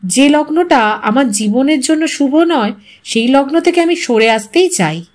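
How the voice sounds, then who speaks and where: A young bride, voiced by a woman narrator speaks in a high voice, firm and defiant. She is a principled character in an audio story, making declarations and standing her ground. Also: animated, measured pace. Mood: resolute refusal.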